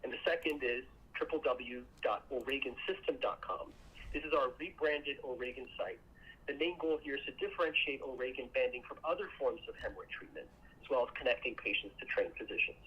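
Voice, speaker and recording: A man in the role of a company executive reads a scripted earnings presentation in a formal, measured way. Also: medium pitch. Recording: muffled call audio with clear noise.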